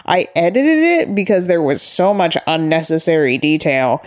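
A woman co-hosting a podcast, reviewing an animated film in casual chat with wry, opinionated remarks and the odd swear word. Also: sits low, normal speed. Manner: wry, opinionated, profane asides. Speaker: podcast co-host.

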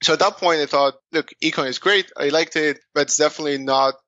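A man in his thirties from Argentina, explaining his career at a steady, measured pace in a casual interview, with frequent "you know". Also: on the high side, no echo, dull audio. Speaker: guest entrepreneur. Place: office.

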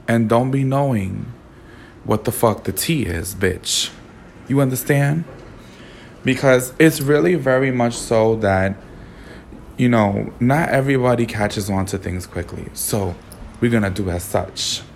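A hoarse young man with a sassy, campy manner, telling a personal story as a podcast host while sitting in a car. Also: fairly low pitch, darkish tone, slight background noise. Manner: sassy, campy, swears a lot. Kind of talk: casual storytelling monologue.

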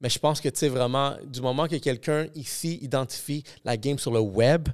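Animated podcast host. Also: male voice, mid-range voice, normal speed. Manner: animated, fillers like "comme, yo", thinks aloud. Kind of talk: casual podcast chat.

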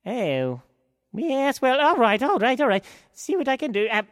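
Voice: sits high, sing-song, normal speed, clean studio sound, pitched above the performer's own voice. Storyteller putting on a dithering old fairy godmother. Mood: fussy. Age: older. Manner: dithering, flustered, chatty. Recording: long hall reverb.

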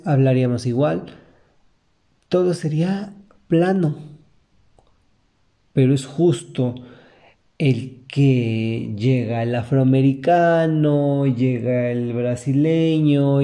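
Slow, very dark-voiced Mexican man. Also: mid-range voice. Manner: earnest, motivational, speaks to the listener directly. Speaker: podcast host. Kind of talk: reflective podcast monologue.

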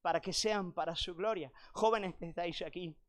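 A man's voice: sits high, normal speed. A male pastor preaching a sermon at a retreat, telling a personal story and addressing the congregation as brothers and sisters. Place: church retreat hall.

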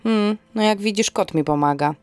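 A woman's voice: mid-range voice, moderate pace, clear, resonant tone, no room sound, voice pushed up, natural voice. A woman playing an exasperated, sarcastic young niece in an audio drama, with an ironic, snappish way of speaking. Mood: irritated. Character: exasperated sarcastic young niece tidying grandmother's forest cottage.

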